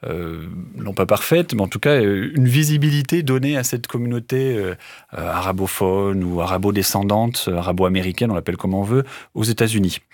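A man with a fairly low voice speaks as a guest author on a radio show. He answers in a measured, halting way, full of filler sounds. The sound is dry and close. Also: a little mellow, no room sound. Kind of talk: radio interview, thoughtful answers.

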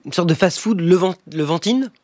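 A man's voice: high voice, animated, moderate pace, a little mellow, no room sound. A man presenting a reported radio segment, narrating his encounters and commenting on them.

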